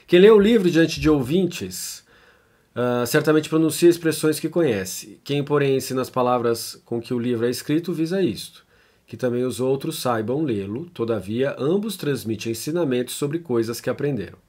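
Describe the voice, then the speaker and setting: The speaker is a Brazilian man lecturing casually on theology, commenting on a text he reads aloud, his Brazilian Portuguese accent clear throughout. A mid-range, slightly mellow voice moves at normal speed with lively intonation. Fillers and frequent tag questions give it a chatty feel.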